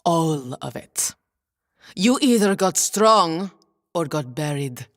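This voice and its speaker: An actress playing a stern, hardened female lieutenant in a sci-fi audio drama, curt, deadpan and commanding. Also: sits low, takes it slowly, heavily acted. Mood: grimly resolute.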